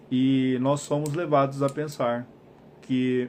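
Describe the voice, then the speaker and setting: Soft-spoken, a man talks at a medium pitch with ordinary pitch variation. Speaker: spiritual self-help speaker. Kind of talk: live-stream talk. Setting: Instagram live stream. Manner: halting.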